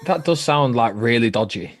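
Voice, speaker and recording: A man with a Manchester accent, a podcast guest who is an actor and comedian, teasing the host in deadpan, swearing often. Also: mid-range voice, normal speed, no echo, clean studio sound. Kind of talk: casual banter.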